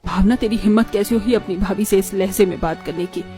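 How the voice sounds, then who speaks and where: A woman voicing a kind, caring middle-aged mother-in-law in an animated story, speaking in a calm, motherly tone. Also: mid-range voice, brisk, soft background music, natural voice. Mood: stern.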